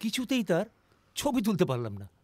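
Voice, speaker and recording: An actor playing a polite, educated male guest in a film drama, gently enthusiastic and sprinkling in English phrases. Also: sits high, huge pitch swings, normal speed, no echo, full character voice. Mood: storytelling. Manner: courteous, English phrases mixed in.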